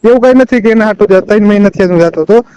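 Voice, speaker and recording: A man's voice: high-pitched, rapid-fire, warm tone, clear, resonant tone, dry recording. A middle-aged man with a rural Saurashtra Gujarati accent on a recorded phone call, arguing defensively and insistently and repeating himself. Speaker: phone caller. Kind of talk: heated personal phone conversation.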